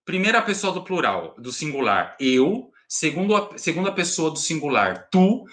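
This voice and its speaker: A man's voice: fairly high pitch, very animated, normal speed, fairly bright tone. A male teacher with a Brazilian Portuguese accent, explaining a lesson to students and checking in with frequent tag questions. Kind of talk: recorded remote class lesson.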